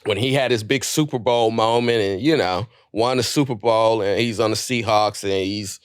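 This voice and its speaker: A man co-hosting a podcast in casual chat, telling stories with profanity and quick voiced asides. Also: on the low side, clear, resonant tone, dry recording, clean studio sound. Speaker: podcast co-host.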